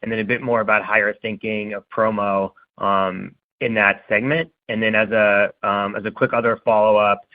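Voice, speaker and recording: A man's voice: fairly low pitch, little pitch movement, normal speed, hardly any pauses. A man asking questions as a financial analyst on an earnings call, casual and polite. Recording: thin, narrow phone line.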